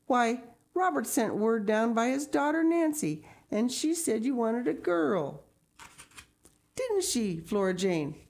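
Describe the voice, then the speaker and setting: A woman voicing a fussy, kindly older woman who gushes and apologizes in a high, raised voice. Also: very animated, slow, creaky, a little mellow, full character voice. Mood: flustered. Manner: gushing, apologetic, exclamatory.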